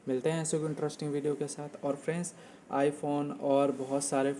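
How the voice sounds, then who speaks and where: A man's voice: fairly high pitch, completely flat delivery, brisk, dark tone, slight background noise. Man giving a casual how-to. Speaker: tech tutorial host. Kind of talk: casual phone settings tutorial.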